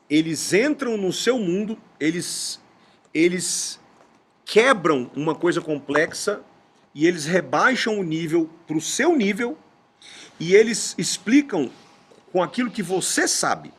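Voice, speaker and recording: A middle-aged man from Brazil, a podcast host and English teacher, explaining in a casual chat and stretching key words slowly for emphasis. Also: a little high, husky. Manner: explanatory, storytelling with emphatic slow stresses.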